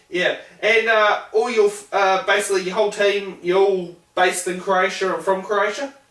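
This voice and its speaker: With a New Zealand accent, a man with a high pitch talks at a moderate pace in a monotone, flat intonation. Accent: New Zealand (Kiwi). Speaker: fan show host, interviewer. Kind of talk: casual interview. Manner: halting, many fillers.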